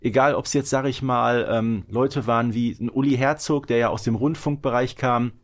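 A man's voice: mid-range voice, steady tone, moderate pace. A middle-aged man chatting casually as a podcast host, talking like a keen fan who loves detail.

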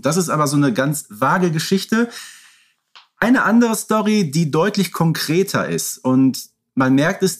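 A man co-hosting a podcast, talking casually and explaining things in colloquial language. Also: on the high side. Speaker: podcast co-host. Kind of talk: casual podcast conversation about audio dramas.

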